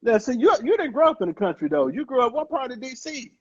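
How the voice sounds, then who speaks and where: High-pitched Southern Black man, dull audio. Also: quick pace, breathy edge. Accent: Southern Black American. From rural Mississippi, United States. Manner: profane, animated reactions, folksy slang. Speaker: podcast host. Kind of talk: casual comedic interview chat.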